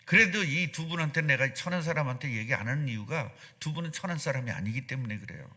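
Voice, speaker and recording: Lively, bright-voiced male pastor preaching. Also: medium pitch, quick pace. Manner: animated, asks the congregation questions. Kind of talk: sermon. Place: church sanctuary.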